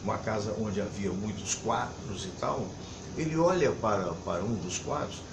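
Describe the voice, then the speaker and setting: A man with a fairly low voice hosts a program and tells a story straight to his viewers. He stumbles and repeats little words before he finds the right one, then presses his points with emphasis. The recording is roomy and echoey, with steady background noise. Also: normal speed, vocal fry. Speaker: TV program host.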